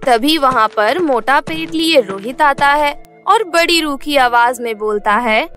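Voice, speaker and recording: Woman narrating a kids cartoon story, very high voice, soft music under. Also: animated, a little slow.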